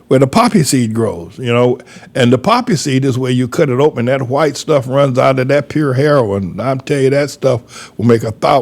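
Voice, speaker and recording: An older man preaches in a fairly high voice that swings widely up and down. He hammers his points home by repeating them, in a folksy and emphatic style. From North Carolina, USA. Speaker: pastor. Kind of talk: preaching commentary monologue.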